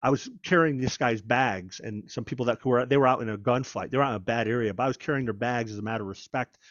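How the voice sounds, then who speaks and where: A man, a former federal agent, telling stories in a conversational interview, animated and often repeating and restarting his words. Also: medium pitch, fast, no echo, muffled recording. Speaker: guest, former FBI agent. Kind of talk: conversational storytelling.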